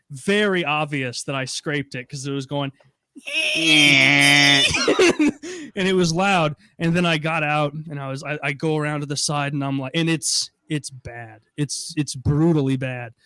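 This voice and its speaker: A young man with a fairly high voice tells a story on a podcast, casual and lively, swearing freely and acting out the people he quotes. The sound is dry and close, with no room in it. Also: clean tone, dry recording. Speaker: podcast co-host.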